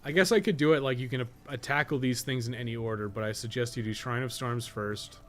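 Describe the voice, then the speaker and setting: A man's voice: medium pitch, fast, a bit bright, a little hiss or hum. A man giving casual gaming commentary, thinking aloud in a rambling, profane way with joking asides. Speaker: podcast co-host playing a video game.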